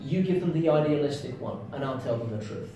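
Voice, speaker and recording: A man's voice: mid-range voice, lively intonation, fairly quick, warm tone, heavy reverb, far from the mic, faint music behind, poor audio. A man from England, co-hosting a casual chat about learning languages with dry, self-deprecating humor. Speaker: co-host.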